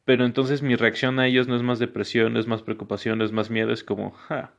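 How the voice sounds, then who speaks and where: Guy rambling on his podcast, relaxed and encouraging, kinda rough gravelly voice, muffled audio. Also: mid-range voice, quick pace. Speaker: podcast host. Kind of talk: casual solo podcast. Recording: dull lo-fi sound.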